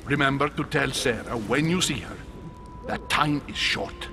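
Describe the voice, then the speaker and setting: An actor playing a discreet, paternal Catholic churchman in a video game, speaking in a measured, ceremonious, formal way. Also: medium pitch, gravelly, natural voice. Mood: grave, confiding. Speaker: actor in a narrative adventure game. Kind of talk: cinematic game dialogue. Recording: game dialogue over background music.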